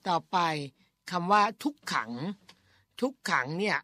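A woman's voice: on the low side, measured pace, bright, forceful tone, dry recording. A woman hosting a casual radio chat, chatty and teasing, talking straight to the listeners. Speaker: radio host.

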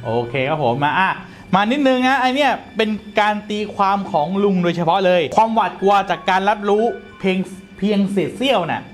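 A man's voice: sits high, lively intonation, a little fast, faint music behind. A man hosting a casual chat, playfully interjecting and putting questions to his guest.

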